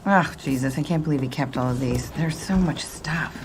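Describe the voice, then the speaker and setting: A woman's voice: deep voice, normal speed, lightly acted. An actress playing a wry, slightly weary middle-aged mother in casual, naturalistic audio drama dialogue. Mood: weary, distracted. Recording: noisy field-tape sound with clicks.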